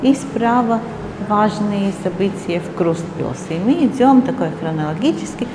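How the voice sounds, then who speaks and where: A woman's voice: mid-range voice, animated, moderate pace, noisy background. Woman tour guide in a reverberant hall. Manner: hesitant non-native Russian phrasing. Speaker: museum guide.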